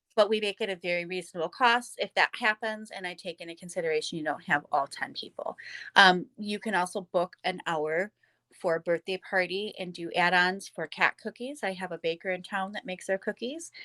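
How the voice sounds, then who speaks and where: In a very clean recording with a silent background, a woman with a Wisconsin accent speaks in a bright, sharp tone with ordinary pitch variation. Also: medium pitch for a woman, fairly quick pace, dry, close sound with no echo. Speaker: cat cafe owner. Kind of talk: interview.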